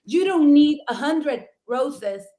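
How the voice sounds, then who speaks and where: Middle-aged woman, Mexican accent, Spanish native, higher pitch; effusive, emphatic storyteller on a talk show. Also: expressive, slow, mellow. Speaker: talk show host and florist.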